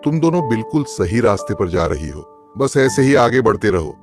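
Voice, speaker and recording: Man as a low-voiced, helpful white horse. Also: big pitch swings, moderate pace. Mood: helpful, reassuring. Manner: reassuring, instructive. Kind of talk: cartoon story voice acting. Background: faint music.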